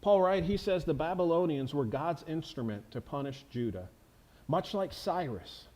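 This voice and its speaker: A man's voice: a little high, mellow, rough recording. A man preaching a sermon in a church, earnest and emphatic, asking the congregation rhetorical questions. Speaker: pastor. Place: church sanctuary.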